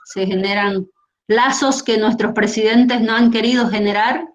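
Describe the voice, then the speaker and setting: A cheerful woman speaks as a poet and lecturer on a video call. Her voice sits a little high, and the call audio sounds dull and lo-fi. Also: steady tone, normal speed. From Bolivia. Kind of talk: casual video-call chat.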